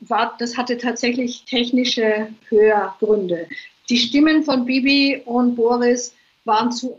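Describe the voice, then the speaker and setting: An older woman from Vienna, a guest author chatting in a remote interview and filling her thoughts with ums. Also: on the high side. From Vienna, Austria. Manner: chatty, thinks aloud with many fillers. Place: at home on a holiday island, remote. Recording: dull lo-fi remote line.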